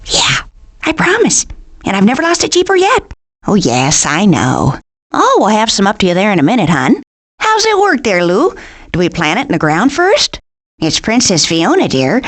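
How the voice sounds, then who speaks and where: A woman's voice: medium pitch, wildly swooping pitch, moderate pace, a bit bright. A woman voicing a sweet, fretful porcupine mother in a video game, folksy and fussing, with an Upper Midwestern American accent. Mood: folksy, encouraging. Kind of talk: animated video game character acting.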